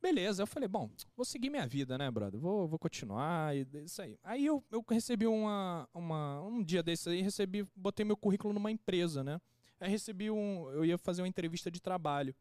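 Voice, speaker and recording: A young man, a podcast guest casually telling an anecdote in a slangy, animated way and acting out the quotes. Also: high-pitched, a little fast, dry recording.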